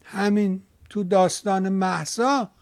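A man's voice: sits high, fairly even intonation, no room sound, clean studio sound. A man hosting a call-in show, scolding and lecturing a caller in a heated debate. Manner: lectures and scolds, dramatic chanting asides.

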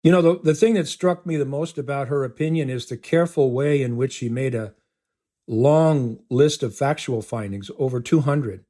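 Older male legal expert, mid-pitched voice, deliberate, methodical answers. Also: warm tone. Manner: deliberate, listing points, some restarts. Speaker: law professor guest. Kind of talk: interview answers.

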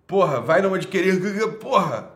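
A man's voice: high voice, lively intonation, normal speed, reverberant. Profane Brazilian man ranting on a stream. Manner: swears constantly, laughs loudly, exasperated and mocking. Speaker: livestreamer. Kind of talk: profane rant and lecture on a live stream.

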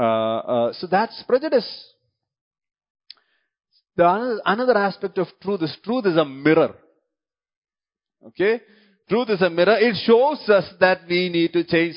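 A high-pitched man preaching a sermon, with a Malayali Indian English accent from a speaker whose first language is Malayalam. He restates his points, restarts his sentences and keeps checking in with the congregation. The recording is dull and lo-fi. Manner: checks in with the congregation through repeated short questions; repeats key phrases and restarts his sentences.

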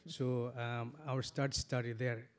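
Man, forties, earnest, halting, restarts, panel guest. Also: medium pitch, flat delivery. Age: 40s. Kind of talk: panel discussion.

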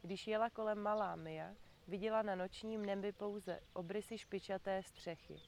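A woman reads a storybook aloud to children in a calm, measured, mid-pitched voice. She is recorded outdoors in a garden, with faint birdsong and open-air hum behind her. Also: gravelly. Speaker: reader for children.

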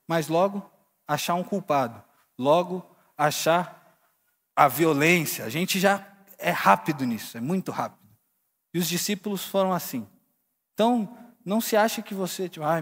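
A man's voice: high voice, in a large hall. A Brazilian man preaching a casual sermon, retelling the scene vividly in slang and acting out the people in it. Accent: Brazilian Portuguese. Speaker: pastor.

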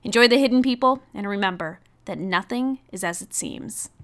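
A woman's voice: medium pitch, normal speed, fairly bright tone. A woman who is a cast member reads a scripted promotional introduction for a podcast.

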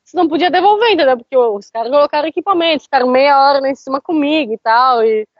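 A woman telling a story in casual chat, animated and often laughing. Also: high-pitched, fast talker, no echo, muffled recording. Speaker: interview guest.

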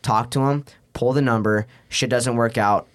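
A man's voice: medium pitch, fairly even intonation, normal speed. A young man chatting casually on a podcast like a frat bro, slangy and full of swearing. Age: young adult. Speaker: podcast host.

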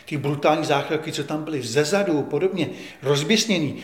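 A man's voice: fairly high pitch, roomy sound. An older man, a veteran football journalist, speaking as an interview guest in an indignant, emphatic way and often repeating himself. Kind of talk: studio interview.

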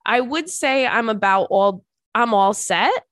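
A woman's voice: fairly high pitch, animated, a little slow, fairly bright tone, no room sound, studio quality. A young woman hosting a casual solo podcast, sounding congested from crying, chatty and joking with a self-deprecating streak. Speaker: podcast host and stand-up comedian.

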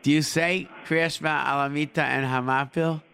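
A man's voice: on the high side, steady tone, moderate pace, creaky, bright, forceful tone. A middle-aged man hosting a live call-in show, giving informal advice in short repeated phrases peppered with Hebrew and Yiddish expressions. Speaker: radio call-in show host and advice giver.

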